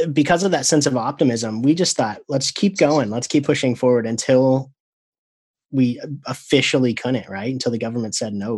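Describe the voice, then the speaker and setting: A man with an American accent and a plain, everyday voice, medium in pitch, with ordinary pitch variation, a moderate pace and a quiet background. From Pennsylvania (Meadville). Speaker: hairstylist and education founder. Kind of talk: casual interview.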